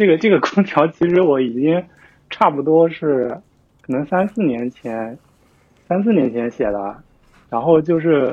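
A man with a fairly high pitch speaks at a fairly slow pace. His speech has long, frequent pauses. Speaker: front-end developer, open source contributor. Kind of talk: casual interview chat. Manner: hesitant, many fillers.

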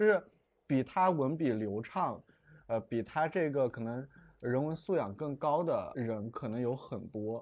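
Speaking at a fairly slow pace, a man uses a normal speaking voice at medium pitch with lively intonation against a quiet background. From China, Kunming, Yunnan. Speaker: writer and social media commentator. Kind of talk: casual debate.

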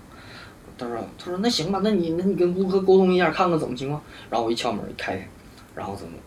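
A man talks at a very fast clip in a high voice, with lively intonation and big jumps in loudness. Noticeable background noise and audible room echo are present. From Inner Mongolia, China. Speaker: party guest, human-computer interaction researcher. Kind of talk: casual group chat. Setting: live party recording with group. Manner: animated.

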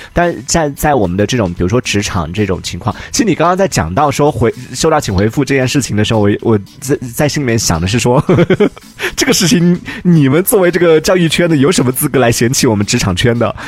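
With music in the background, a man talks at a fairly quick pace in a medium pitch that swings very widely. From Yunnan, China. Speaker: podcast co-host. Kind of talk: casual chat.

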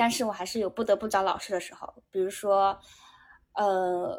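Her pitch is medium for a woman, with fairly even intonation and a slight Guizhou accent. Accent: slight Guizhou accent in Mandarin. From Guizhou, China. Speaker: recent PhD graduate in psychology. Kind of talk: casual chat. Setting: recorded at a friend's home.

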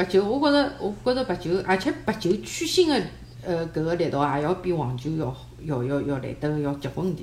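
Noticeable background noise runs behind a woman with a fairly low pitch. She moves at a moderate pace with very wide pitch swings. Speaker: home chef. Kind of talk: casual chat.

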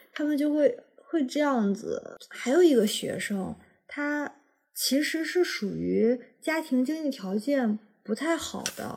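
A woman talks very slowly in a high voice. Her intonation is lively. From coastal small city, China. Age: 20s. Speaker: volunteer rural teacher. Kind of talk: interview, personal story.

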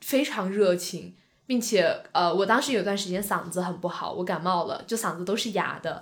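A woman of medium pitch at a fairly quick pace, with ordinary pitch variation and audible room echo. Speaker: university student. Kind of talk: casual chat.

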